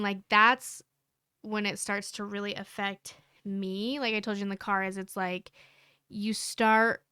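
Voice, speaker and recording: A woman's voice: mid-range voice, sharp tone, clean tone, dry recording, studio quality. A woman co-hosting a candid couple's conversation, earnest and rambling with many fillers. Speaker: podcast co-host.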